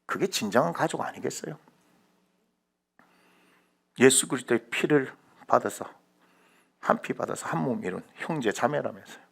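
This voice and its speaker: A male pastor preaching with a gravelly, forceful voice. His pitch leaps widely, and he talks in a colloquial, dramatic way, dropping to hushed asides and then rising to shouts. It sounds like a sermon delivered in a church. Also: expressive, normal speed, long pauses. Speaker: senior pastor. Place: church sanctuary.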